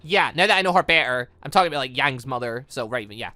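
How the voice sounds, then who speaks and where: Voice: medium pitch, expressive, quick pace, bright, forceful tone, no room sound, faint music behind. A gaming video host reading a visual novel aloud with asides, often stumbling and repeating lines.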